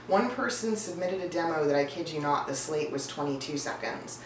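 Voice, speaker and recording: A woman's voice: low voice, animated, normal speed. A woman giving emphatic, blunt, conversational advice as a coach, talking straight to her viewers. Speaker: voice-over coach and casting professional. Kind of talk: direct-to-camera advice video, tips list. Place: indoor room with a cat nearby. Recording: roomy, distant mic, some background noise.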